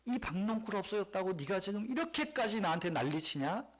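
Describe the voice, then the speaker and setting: A man preaching a sermon voices God as a fatherly figure, gently scolding and coaxing a sulking prophet. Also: high voice, sing-song, fairly quick, voice pushed up. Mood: teasing. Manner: teasing, coaxing, softening to a hush. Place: church sanctuary.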